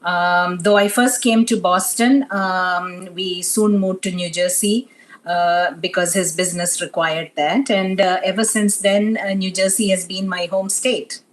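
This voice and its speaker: A woman's voice: on the low side, fairly even intonation, a little slow, low-quality recording. A woman in her fifties from Tanzania, talking about her life as an interview guest, with many fillers. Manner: soft-spoken, many fillers. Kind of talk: interview chat.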